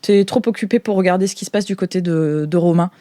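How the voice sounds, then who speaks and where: A woman's voice: fairly low pitch, fast, mellow, dry recording, studio quality. A woman improvises colloquial narration as game master, piecing sentences together hesitantly. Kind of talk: improvised narration of a tabletop role-playing game.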